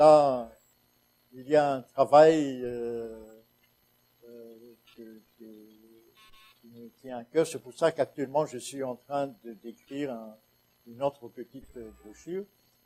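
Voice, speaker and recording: A man's medium-pitched voice with a dark, mellow tone, very slow pace, long, frequent pauses, big swings in loudness and fairly even intonation. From Madagascar. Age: 80s+. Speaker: church speaker. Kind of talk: testimony. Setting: church meeting. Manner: halting, many hesitations.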